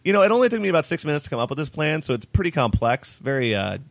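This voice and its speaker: A man's voice: on the high side, sing-song, rapid-fire, gravelly, no echo. Chatty self-mocking young man. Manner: self-mocking, laughs often. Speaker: player narrating his own recorded game. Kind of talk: casual commentary over battle footage.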